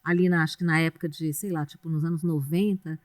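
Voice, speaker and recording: A middle-aged Brazilian woman, a radio announcer guesting on a podcast, talking in a relaxed, rambling, chatty way with restarts. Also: low voice, fast, no echo, clean studio sound. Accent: Brazilian Portuguese. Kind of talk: casual podcast interview.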